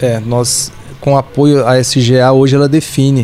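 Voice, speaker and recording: A man talks at a medium pitch against noticeable background noise. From Brazil, Franca, São Paulo state. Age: 30s. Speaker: civil engineer and building infrastructure director. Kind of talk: interview. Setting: studio. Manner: halting, many repetitions.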